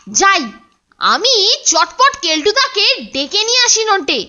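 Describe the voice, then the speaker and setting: A woman's voice: extremely high pitch, big pitch swings, unhurried, pushed and bright, muffled recording, full character voice. A woman voicing a cheeky, chatty young schoolboy sidekick in a cartoon. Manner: chatty, teasing. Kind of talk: cartoon voice acting.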